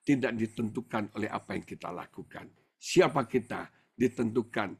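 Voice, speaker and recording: A middle-aged male pastor preaching a sermon in an animated, colloquial way, slipping English words into his speech. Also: lowish voice, moderate pace, gravelly, breathy edge.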